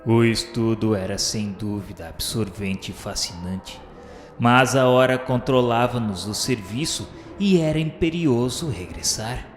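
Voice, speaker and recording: A man's voice: medium pitch, measured pace. Echoey Brazilian man narrating solemnly. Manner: literary, formal, solemn storytelling. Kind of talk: scripted radio drama narration. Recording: echoey hall reverb, faint music behind.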